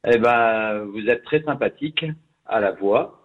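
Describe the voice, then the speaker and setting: A man's voice: fairly low pitch, unhurried. A man answering a surprise phone call, polite but cautious and puzzled about who is calling. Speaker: caller on the phone. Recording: tinny phone line.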